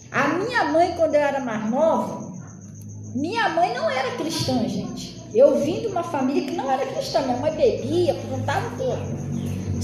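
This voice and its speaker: A woman's voice: very high voice, reverberant, background noise. A woman in her late thirties giving an informal, chatty sermon, often turning to address her listeners directly. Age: 30s. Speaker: preacher.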